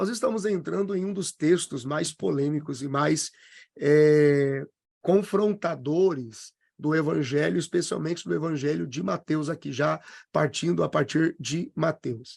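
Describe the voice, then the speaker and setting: This is a plain, everyday voice. It moves at a fairly slow pace with lively intonation. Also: man, fairly high pitch for a man. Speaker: pastor and bible teacher. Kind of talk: bible teaching lesson.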